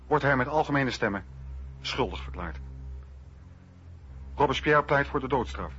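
A man narrating a scripted historical radio documentary in a measured, factual way. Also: mid-range voice, sharp tone, highs cut off, slight background noise.

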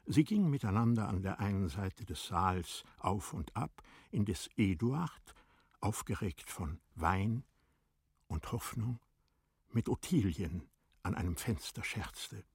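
A man narrating a literary radio play from a script, in measured, formal storytelling. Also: lowish voice, husky, dry recording, studio quality.

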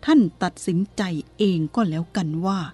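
Blunt calm old monk, woman reading him, firm and straight, mellow tone. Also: medium pitch. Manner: plain-spoken, firm, unhurried. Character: calm blunt elderly male abbot.

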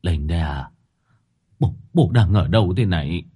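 A man's voice: deep voice, animated, normal speed, over music, pitched below the performer's own voice. A man playing a dazed, grieving old villager. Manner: dazed, hushed, breaking into sobs.

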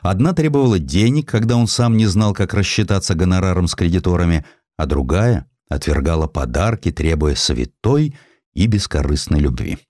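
A man reading a historical essay as an audiobook narrator, in an expressive, reflective and dramatic literary storytelling manner. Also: low-pitched, moderate pace, no echo, clean studio sound.

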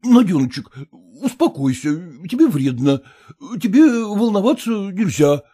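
A man's voice: sits high, big pitch swings, normal speed, dark tone, husky, voice pushed up, heavily acted. Man doing a soothing actor husband. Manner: soothing, earnest, wheedling. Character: placating middle-aged actor husband.

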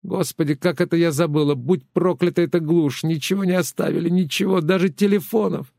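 A man voicing an elderly woman who is shrill, agitated and commanding, in an audiobook. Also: steady tone, brisk, creaky, dark tone, no room sound, studio quality. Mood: distraught. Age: older.

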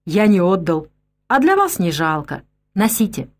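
A woman voicing a skinny teenage boy partisan, shy but bursting with excitement and pride. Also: on the low side, a little slow. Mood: excited proud. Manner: excited, proud, tumbling out.

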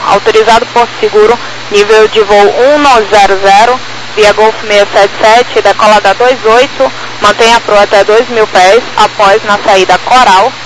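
A Brazilian woman working as an air traffic controller, giving clipped procedural instructions over a crackly radio. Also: mid-range voice. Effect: crackly aviation radio.

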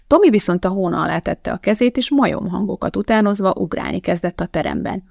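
A woman reading a novel aloud in a measured, even audiobook narration. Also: mid-range voice, vocal fry, no room sound, studio quality.

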